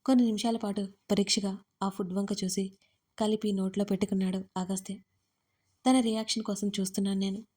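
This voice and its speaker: A woman tells a first-person audio story in a close, conversational manner. Her voice is warm and mellow, and her pitch stays level with little rise and fall. The telling is unhurried and personal. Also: level tone. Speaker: author and narrator.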